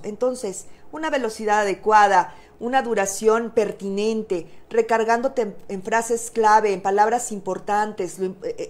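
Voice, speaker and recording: A woman with a Mexican Spanish accent coaching an online audience on presence in front of the camera. Her voice sits a bit high, and she teaches in an emphatic, didactic way. She poses rhetorical questions and uses fillers as she explains. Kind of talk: webinar lesson.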